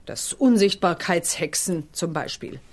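An actress playing a gentle but firm witch mother, measured and instructive, in a children's audio drama. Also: fairly low pitch, expressive.

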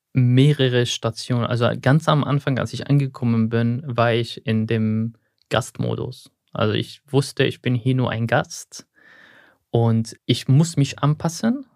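A man's voice: medium pitch, fairly even intonation, unhurried, darkish tone, no echo. Thoughtful young man from Syria, dry sound. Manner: thoughtful, searching for words, some slips in German. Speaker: guest. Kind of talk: reflective interview answers.

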